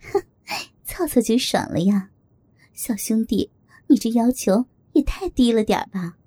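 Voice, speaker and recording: Woman voicing a bold teasing madam, giggling, coaxing, breathy, soft music. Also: fairly high pitch, lively intonation, unhurried, no echo. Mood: flirty teasing. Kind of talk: audio story reading.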